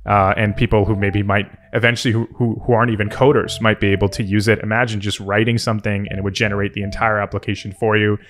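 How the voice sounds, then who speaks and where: A man's voice: lowish voice, fairly bright tone. A man hosting a tech video, giving casual off-the-cuff commentary in a hesitant, thinking-aloud manner. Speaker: tech video host and software developer. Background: background music.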